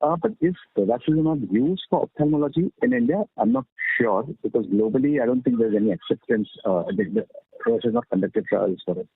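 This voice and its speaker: A male analyst with a husky voice asking questions on an earnings call. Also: medium pitch, lively intonation, a little fast, no room sound. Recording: dry, muffled narrowband phone line.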